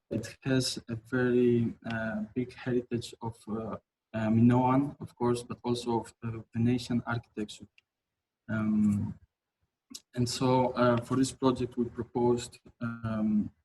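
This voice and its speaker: A man's voice: mid-range voice, a little mellow, slight background noise, poor audio. A man from Albania presenting his architecture projects in a webinar, hesitant, with many fillers and restarts.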